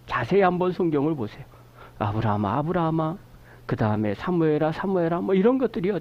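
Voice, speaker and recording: A pastor delivers a Sunday sermon with a lively, swooping delivery, often putting questions to the listeners. The sound is a little muffled and lo-fi. Pitch sits in a middle range. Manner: animated preaching, asking the congregation questions; explains a scripture word's meaning slowly. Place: church sanctuary.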